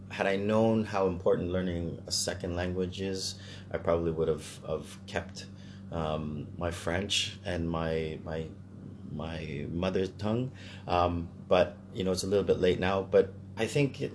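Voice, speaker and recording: A man's voice: sits low, darkish tone, a little hiss or hum. A Canadian man talking casually in a discussion, hesitant as he thinks aloud.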